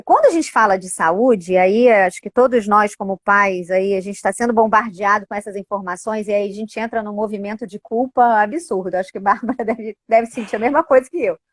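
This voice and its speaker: A woman's voice: mid-range voice, fairly quick, few pauses, no room sound, studio quality. A middle-aged woman, an educator and parent, talking casually and animatedly, often tagging her sentences with little questions. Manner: animated, frequent tag questions. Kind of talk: casual conversational talk.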